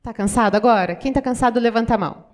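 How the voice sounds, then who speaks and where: A Brazilian woman voicing a deaf pastor's sermon in an animated way, asking the audience many questions and acting out what people say. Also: on the high side, fast. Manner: acts out quoted everyday voices. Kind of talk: interpreted sermon.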